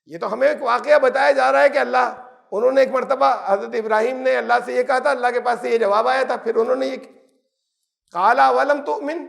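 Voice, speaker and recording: A man's voice: very high voice, steady tone, creaky. An older man giving a Quran lesson, quoting Arabic verses, translating them and asking rhetorical questions, with English words mixed in. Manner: mixes English words into his talk. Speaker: Quran teacher.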